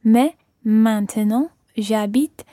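Soft-toned woman repeating phrases carefully. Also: a little high, dry recording, studio quality. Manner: careful, measured repetition. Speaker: learner on a language podcast.

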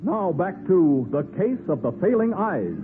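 A man's voice: high voice, very animated, measured pace, very noisy. A man announcing and narrating a crime serial in dramatic 1940s radio style. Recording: narrow-band old radio broadcast with music.

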